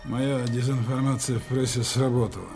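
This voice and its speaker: An actor playing a smooth, authoritative German agent giving orders to his team in a radio play, speaking in calm, clipped tones. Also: medium pitch, normal speed, music in the background, close to an everyday voice. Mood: commanding. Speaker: intelligence operative commanding a team.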